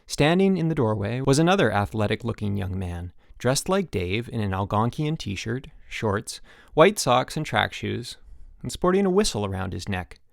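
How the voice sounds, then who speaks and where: A man's voice: fairly low pitch, sing-song, normal speed, creaky, no echo, studio quality. A man narrating fiction as a scripted audiobook reading.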